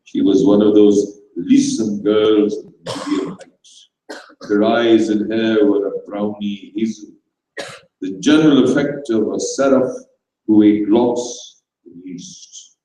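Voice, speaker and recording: A man giving a dramatised, measured reading of a comic short story in an indoor venue. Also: lowish voice, steady tone, mellow. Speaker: story reader. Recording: very echoey room, distant microphone.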